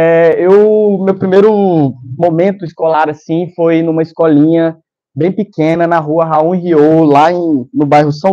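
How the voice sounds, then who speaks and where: Speaking in a Minas Gerais accent, a man has a high pitch and a dark, mellow tone. He talks at a fairly slow pace with ordinary pitch variation. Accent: mineiro Brazilian Portuguese. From Minas Gerais, Brazil (Belo Horizonte, east zone). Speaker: graduating sociology student. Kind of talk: academic presentation. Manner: casual, chatty.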